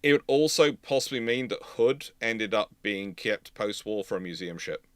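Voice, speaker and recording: A man's voice: lowish voice, animated, moderate pace, clear, resonant tone, dry recording. A man hosting a live history question-and-answer discussion, explaining his opinions emphatically with many digressions. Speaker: host, naval historian.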